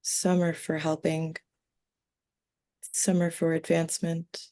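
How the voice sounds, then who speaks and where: A woman speaking as a trance medium for a calm collective of extraterrestrial beings, in halting, solemn, formal phrases. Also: low voice. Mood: solemn, detached. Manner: halting short solemn phrases with long breaks, formal wording. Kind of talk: trance channeling, seance medium.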